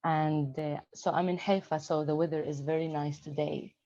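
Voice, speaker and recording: Low-voiced woman on a muffled video call. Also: fairly even intonation, mellow. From Palestine, village in the north. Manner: hesitant, halting, with frequent fillers. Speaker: theatre actor, guest. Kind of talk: conversational interview over video call. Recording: dull lo-fi video call audio.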